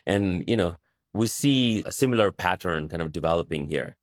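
A man's voice: deep voice, lively intonation, moderate pace, dry recording, clean studio sound. A journalist guest in an interview, answering thoughtfully and filling his speech with "you know" and "right". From Nepal.

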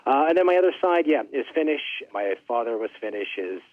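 A man's voice: mid-range voice, very animated, brisk. Friendly Canadian-raised man on a phone line. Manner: friendly, many "uh" fillers. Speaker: guest, record label owner. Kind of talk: casual interview chat. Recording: tinny phone-line audio.

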